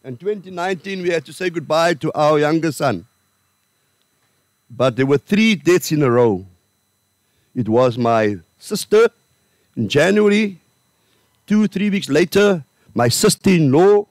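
A man's voice: on the high side, expressive, a little mellow, dry recording. Older south african man, funeral talk outdoors, plain and personal, dry sound. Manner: plain, personal speaking with pauses. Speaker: pastor. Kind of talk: funeral address. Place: outdoor cemetery. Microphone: stand mic.

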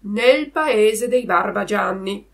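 A woman's voice: medium pitch, expressive, slow pace, creaky. The Fox, sly coaxing swindler, read by a woman. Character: sly lame male fox, smooth swindler.

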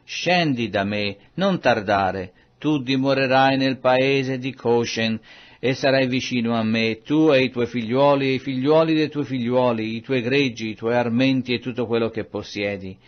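A man's voice: medium pitch, normal speed. Man solemnly reading scripture, dull recording. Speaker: Bible reader.

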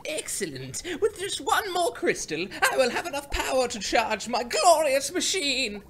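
A man's voice: very high-pitched, very animated, normal speed, a bit bright, pitched above the performer's own voice, full character voice. A man voicing a gleeful, power-hungry mad scientist villain in a theatrical, cackling video game style. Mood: gleeful, manic.

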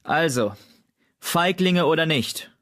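In an audiobook, a man voices a stern male cat who leads his clan and hands out orders, growling in a commanding tone. His natural, mid-range voice is pushed upward and stays expressive at a normal speed.

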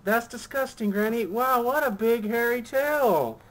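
A man voicing a sassy, deadpan young Red Riding Hood in an improvised puppet comedy skit. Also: extremely high pitch, measured pace, voice pushed up. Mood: innocent, skeptical. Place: small room at home. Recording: noisy home camera audio.

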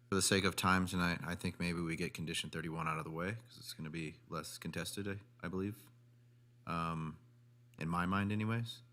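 A man with a deep voice and a bright edge speaks as a commissioner. He is practical and informal, feeling out his questions with halting phrasing. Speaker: planning commissioner. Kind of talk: informal public meeting remarks and questions. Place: public meeting room.

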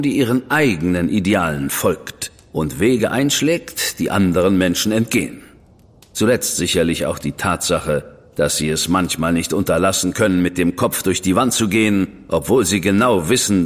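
An actor playing a cool, arrogant government official who speaks in a measured, superior, quietly threatening way. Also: male voice, low-pitched, long reverb tail. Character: cool, arrogant high official, man, middle-aged. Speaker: government official recruiting an investigator. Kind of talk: radio play acting.

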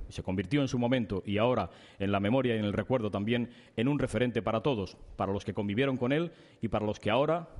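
Man, middle-aged, formal ceremonial speech, measured solemn delivery, podium mic, long hall reverb. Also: mid-range voice, darkish tone. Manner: measured, solemn oratory with lists of phrases. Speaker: speaker at a club awards ceremony. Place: large indoor reception hall. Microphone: podium microphone.

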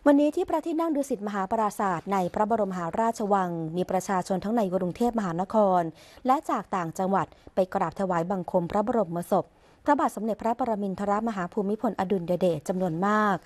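A woman reads the royal court news as a formal broadcast voice-over. Her delivery stays measured, even and ceremonious throughout. It has the steady, scripted cadence of an official news bulletin. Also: mid-range voice. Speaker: news reader.

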